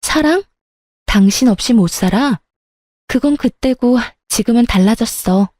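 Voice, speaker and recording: A woman plays a sharp-tongued young woman in a narrated story, her raised voice blunt and scornful. The sound is mellow and dry, close to the mic. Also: fairly high pitch, animated, a little slow, no room sound.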